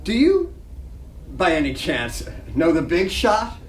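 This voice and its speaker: A lively, slightly high male voice, recorded at a distance, as a man acts out a dreamy hotel night clerk in a stage reading. He muses to himself, deferential and starstruck. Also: slow, full character voice. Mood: timidly eager. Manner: musing to himself, eager and deferential. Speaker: actor in a staged play reading. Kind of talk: dramatic reading of a stage play. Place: library reading room. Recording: distant echoey room, faint noise.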